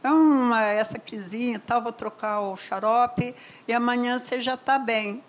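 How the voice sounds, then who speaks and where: Older brazilian lady telling her story, kinda high voice, emotional, trails off quiet. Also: moderate pace, poor audio. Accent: Brazilian Portuguese. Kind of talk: personal testimony.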